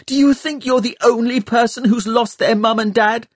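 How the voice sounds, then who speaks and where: A male audiobook reader voicing an earnest, desperate teenage boy, shouting and pleading. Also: very high voice, fairly even intonation, normal speed, dry recording, pitched above the performer's own voice. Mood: pleading, angry.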